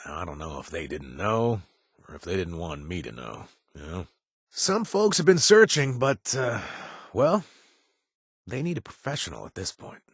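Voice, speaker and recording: A man's voice: deep voice, sing-song, normal speed, husky, no room sound, studio quality, exaggerated voice. An actor voicing a wisecracking young male ex-chem user from the wasteland, talking with lots of hesitant fillers and self-mocking jokes in scripted video game lines. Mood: wry. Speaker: game companion character.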